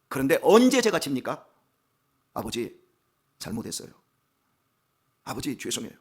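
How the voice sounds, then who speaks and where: A middle-aged man preaching at a dawn service in a church, his husky voice pitched fairly high and moving all over the place. He shifts between forceful declarations and soft, hushed storytelling asides. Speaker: pastor. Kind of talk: dawn sermon. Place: church sanctuary.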